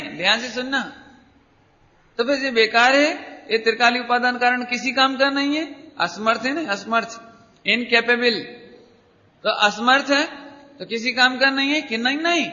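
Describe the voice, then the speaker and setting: A man's voice: extremely high pitch, sharp tone. A man giving an emphatic spiritual discourse, repeating key words and urging listeners to pay attention. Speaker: Jain preacher. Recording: dull lo-fi hall recording.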